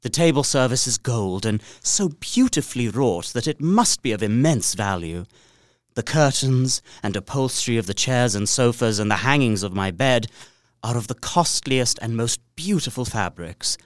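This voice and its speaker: A man's voice: medium pitch, lively intonation, moderate pace, no room sound, clean studio sound, close to an everyday voice. An actor playing a polite, observant and uneasy young solicitor, narrating his journal earnestly and precisely in a gothic audio drama. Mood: composed, puzzled. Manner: precise, earnest, theatrical storytelling.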